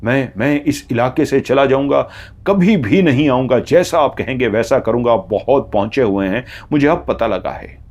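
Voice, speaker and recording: A man's voice: mid-range voice, expressive, normal speed, natural voice. A man voicing a sly, mischievous male jinn spirit who boasts and begs in a raised voice for a storytelling horror tale. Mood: pleading. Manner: boastful, pleading when beaten.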